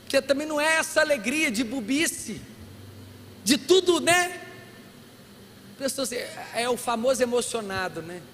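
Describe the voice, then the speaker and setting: High-voiced, animated pastor in reverberant hall. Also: male voice, measured pace, pauses often. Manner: animated, humorous preaching with acted-out dialogue. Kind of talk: sermon. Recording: long hall reverb, faint room noise.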